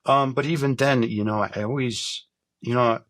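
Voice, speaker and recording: A middle-aged American man from northern Minnesota talking reflectively as an interview guest, candid and halting in his delivery. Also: medium pitch, fairly even intonation, fairly bright tone. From northern Minnesota, United States. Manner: candid, halting, casually profane. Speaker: podcast guest, military veteran and survival instructor.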